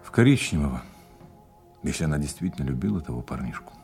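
An actor playing an earnest, principled man in an audio drama, with a rough voice and deliberate delivery. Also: very deep voice, big pitch swings, a little mellow, soft background music, heavily acted. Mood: grave. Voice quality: husky, rough. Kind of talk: dramatic audio play dialogue.

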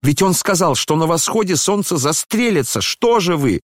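In a dramatic audiobook, a man voices a frightened young woman, crying out in alarm in an animated, higher-than-usual voice pitched above his own at a moderate pace. The recording is dry and studio quality.

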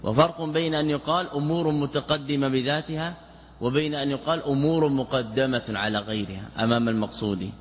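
A man's voice: medium pitch, fairly bright tone, a little hiss or hum. Man lecturing in a reverberant hall. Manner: deliberate, explanatory, repeats key words. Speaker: Islamic scholar teaching grammar. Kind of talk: classical Arabic lecture.

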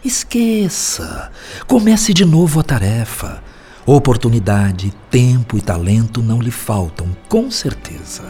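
An actor playing a wise, patient spirit mentor in a radio drama, speaking in a measured, instructive, solemn way. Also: male voice, medium pitch, big pitch swings, dark tone, soft background music. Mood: encouraging counsel.

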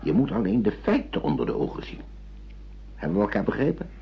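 A man's voice: on the low side, huge pitch swings, quick pace, creaky, husky, full character voice. An actor playing a stern, patient old father who questions and lectures insistently in a radio drama. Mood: coaxing, firm. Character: stern, patient old father re-educating his grown son. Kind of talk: Dutch radio drama acting. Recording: dull, muffled radio play recording.

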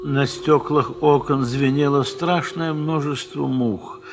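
A man narrating a classic literary story for an audio play, in an expressive, measured theatrical delivery that lingers on words. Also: on the high side.

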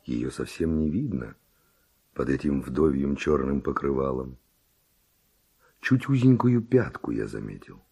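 Very deep gravelly male seducer. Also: animated, a little slow, pauses often, warm tone, exaggerated voice. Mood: intrigued, scheming. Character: brazen Spanish nobleman and seducer, curious, impulsive. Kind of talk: classic verse radio drama acting.

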